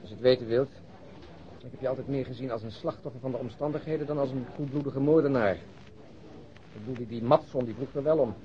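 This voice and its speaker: Actor as a wisecracking, grumbling middle-aged detective. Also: male voice, mid-range voice, a little fast, close to an everyday voice. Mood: frank. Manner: sardonic, bantering, food-loving. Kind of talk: Dutch radio drama dialogue. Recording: dull lo-fi radio drama recording.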